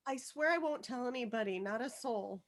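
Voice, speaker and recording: A woman reading the part of an awkward, anxious but stubborn young teenage schoolgirl in a screenplay table read, halting and apologetic. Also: on the high side, animated. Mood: nervous, meek.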